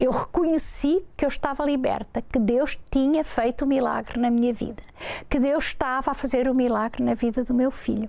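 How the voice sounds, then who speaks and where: A woman's high-pitched voice with a dark, mellow tone, a moderate pace and a European Portuguese accent. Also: fairly even intonation, very even loudness. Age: 70s. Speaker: church member. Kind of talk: testimony.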